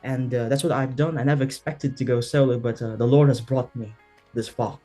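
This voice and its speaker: A man's voice: mid-range voice, steady tone, brisk, warm tone, soft background music. Earnest man with a British-sounding accent. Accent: British English. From Philippines. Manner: earnest, reflective, sprinkles in "right?" and "you know". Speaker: guest, singer-songwriter. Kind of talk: conversational interview answers. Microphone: video call.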